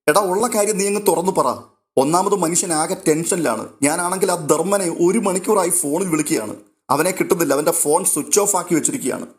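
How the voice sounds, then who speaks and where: A man voicing a frantic middle-aged mother who pleads and wails in quick questions. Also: fairly high pitch, close to an everyday voice.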